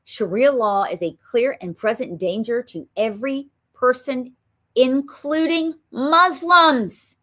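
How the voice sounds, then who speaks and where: A woman's voice: high-pitched, takes it slowly, pushed and bright. A woman with a Southern US accent, hosting a political talk show and speaking emphatically, with frequent ums. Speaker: show host.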